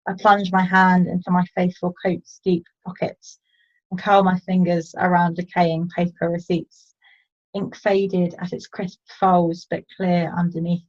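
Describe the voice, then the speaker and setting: Flat-voiced woman reading poetry. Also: fairly low pitch, measured pace, lo-fi sound. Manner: calm, reflective reading. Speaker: poet. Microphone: online video call.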